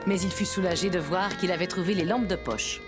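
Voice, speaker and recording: A kindly storyteller, played by a woman, with a slightly low pitch. She narrates a children's cartoon like a storybook. Music runs underneath. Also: fairly even intonation, a little fast, natural voice. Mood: gentle narration. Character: kindly storyteller narrating a small boy's adventures.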